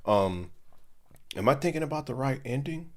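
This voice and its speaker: A young man co-hosts a podcast, trading laid-back, slangy banter and jokey asides in casual chat. His mid-range voice has lively intonation and a darkish tone, and he speaks at a moderate pace.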